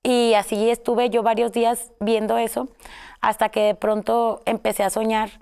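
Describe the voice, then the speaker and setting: Mexican woman, gravelly yet smooth. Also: fairly high pitch, little pitch movement, normal speed, darkish tone. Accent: Mexican Spanish. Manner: rambling, many fillers and self-corrections. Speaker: guest telling her story. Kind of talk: casual storytelling interview.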